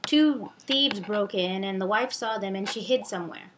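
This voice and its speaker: A young adult woman telling a personal story in a casual, animated, rambling way, acting out the dialogue as she goes. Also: medium pitch, normal speed, background noise.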